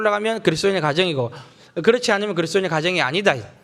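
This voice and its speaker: A man talks at a very fast pace. His voice is high-pitched, with ordinary pitch variation. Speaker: guest pastor. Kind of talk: sermon. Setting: church. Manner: strong intonation, not soft.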